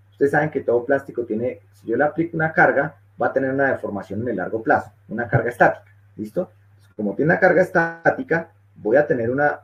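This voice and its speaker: A male engineering instructor giving a technical webinar lecture, explaining step by step and checking in often with his listeners. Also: mid-range voice. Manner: explanatory, checks in with frequent "¿listo?". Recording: muffled lo-fi webinar audio.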